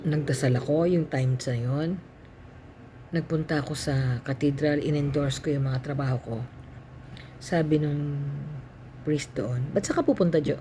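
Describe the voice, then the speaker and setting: Calm older Filipino woman telling her story. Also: low-pitched, slight background noise. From Philippines. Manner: calm, matter-of-fact, acts out dialogue. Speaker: cancer survivor sharing her story. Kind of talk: personal testimony, storytelling.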